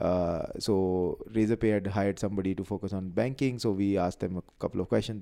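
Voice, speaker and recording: Against a quiet background, a man with an Indian accent speaks at a very deep, low pitch in a dark, mellow tone, his intonation fairly even. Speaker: startup founder and CEO. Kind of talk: podcast interview. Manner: fast talker.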